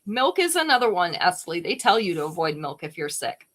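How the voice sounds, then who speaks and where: A woman's voice: lowish voice, big pitch swings, fairly quick, fairly bright tone. A woman hosting a live-stream jewelry sale, chatting casually and greeting viewers by name as she shows each piece.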